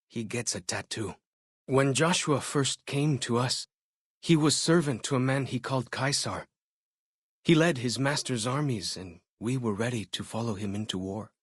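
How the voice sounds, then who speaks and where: Game role: young tribal scout, curious and sincere, measured storyteller delivery, husky edge, close dry sound. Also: male voice, medium pitch, no echo. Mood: matter-of-fact, proud. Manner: plain-spoken, measured, storytelling in short phrases. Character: young tribal scout, earnest, curious, loyal to his war leader. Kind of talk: video game character dialogue.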